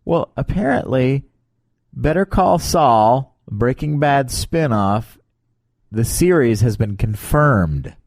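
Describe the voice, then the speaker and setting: A man hosting a podcast in casual, joking banter, talking in a meandering, halting way on a close mic. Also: mid-range voice, expressive, a little mellow, no echo. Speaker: podcast host.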